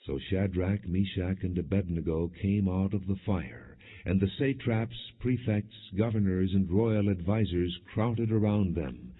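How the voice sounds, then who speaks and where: A man with a low, slightly rough-edged voice narrates scripture in a measured and solemn way. He reads from a script without dramatizing it. The recording sounds narrow and muffled. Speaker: audiobook narrator. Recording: dull, muffled lo-fi audio.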